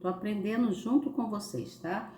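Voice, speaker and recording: Brazilian woman, slight cold, soft dark timbre, informal devotional teaching, frequent check-in tags, echoey living room. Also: mid-range voice, moderate pace. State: slight cold with occasional cough. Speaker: host of a Bible study channel. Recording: roomy echo, faint background noise.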